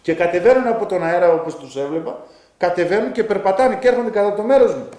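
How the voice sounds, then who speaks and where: A man giving spoken testimony of a miracle he lived through, telling it vividly and acting out what each person said. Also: sits high. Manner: lively storytelling that keeps acting out his own and others' words. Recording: roomy echo.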